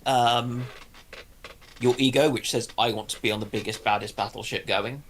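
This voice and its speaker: A man's voice: medium pitch, steady tone, moderate pace, a bit bright, slight background noise. A man chatting casually as a panelist on a livestream. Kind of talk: casual chat.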